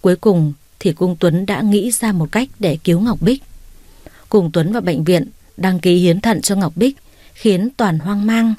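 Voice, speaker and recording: A woman's voice: fairly low pitch, measured pace, no room sound. Woman narrating a drama story, dry close sound. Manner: reads every part herself, plain and even.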